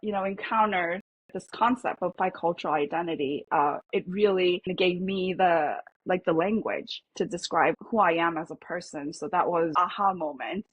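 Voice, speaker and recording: A woman psychologist, a native Korean speaker, talks things over in a reflective, hesitant way, full of fillers and restarts. Her voice is husky and fairly low. The sound is dry and close. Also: moderate pace, no room sound, dull audio. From South Korea. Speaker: psychologist guest. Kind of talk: podcast interview.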